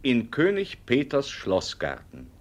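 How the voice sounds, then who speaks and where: A man's voice: mid-range voice, huge pitch swings, takes it slowly, slight background noise. A man announcing the scenes of a radio play as a scripted narrator.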